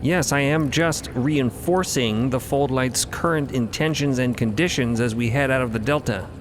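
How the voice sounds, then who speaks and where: A man playing a serene, courtly otherworldly guardian in an audio drama, speaking with formal, measured, benevolent solemnity. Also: mid-range voice, noisy background, close to an everyday voice. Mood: gently formal. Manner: formal, measured, ornate phrasing. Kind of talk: audio drama character acting.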